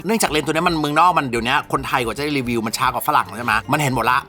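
A young man chatting casually and excitedly as he reviews a camera lens, swearing now and then. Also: medium pitch, racing. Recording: music bed under the voice.

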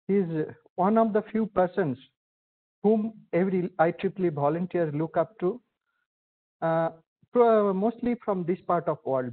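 A man with an Indian English accent moderating a session and introducing speakers respectfully, hesitating with many uhs. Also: on the high side. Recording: phone-like video call audio.

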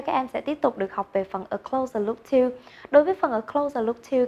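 Husky-voiced woman teaching an online lesson. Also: fairly high pitch, lo-fi sound. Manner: explains patiently, addressing students directly. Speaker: English teacher.

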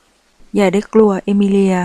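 A woman voicing a domineering young male mafia boss in an audiobook, speaking slowly and with command. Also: medium pitch, level tone, dark tone, no room sound, natural voice. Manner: slow, commanding and menacing.

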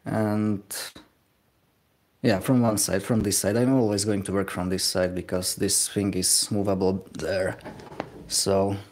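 Deep, flat and darkish in tone, this young man's voice carries a Slovak accent. He's livestreaming from his home glassblowing workshop, offering casual commentary that comes out halting, hesitant and self-deprecating.

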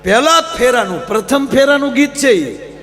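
High-voiced folk comedian on stage. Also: male voice, very animated, moderate pace, fairly bright tone. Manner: folksy, keeps addressing the audience as sir. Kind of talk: live stage humorous storytelling. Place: large live stage program. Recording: reverberant live hall, faint mains hum.

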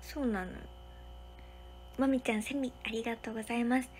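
A woman's voice: a little high, steady tone, brisk, a little hiss or hum. Chatty young woman. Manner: chatty, thanks viewers one by one, drops into soft whispers. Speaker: livestream host. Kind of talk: casual livestream chat, reading viewer comments. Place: hotel room.

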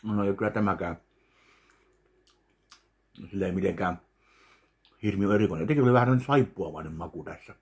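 A man in his thirties sits in his home kitchen, speaking close to a webcam with a low-pitched voice. He tastes candy and comments slowly and plainly, pausing to chew between remarks. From Finland. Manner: slow, chewing between remarks. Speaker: candy taste-test vlogger. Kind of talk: casual tasting commentary. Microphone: webcam at desk distance.

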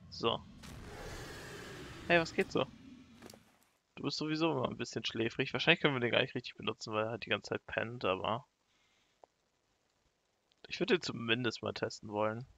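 A young man giving casual, excitable let's play commentary and talking to the animals in his game. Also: mid-range voice, creaky, a little hiss or hum. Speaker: gaming YouTuber.

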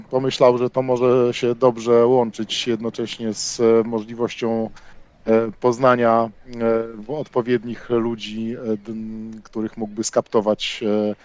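Flat, smooth-voiced player. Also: male voice, medium pitch. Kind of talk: in-character role-play.

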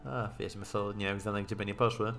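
A man with a fairly low voice streams a visual novel. He reads the lines aloud haltingly, mixing in offhand commentary, with game music playing behind him. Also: flat delivery, gravelly, a bit bright.

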